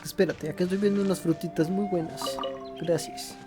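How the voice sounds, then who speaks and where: A man's voice: high voice, fairly even intonation, fast, over loud music. A man with a Mexican accent giving casual, slangy commentary as he plays a video game. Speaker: gaming video host.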